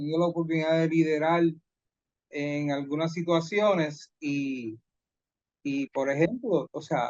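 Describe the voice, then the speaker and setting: A man speaks fairly slowly at a fairly high pitch, with ordinary pitch variation and long, frequent pauses. The sound is dry and close, with no echo. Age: 60s. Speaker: panelist. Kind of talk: panel discussion.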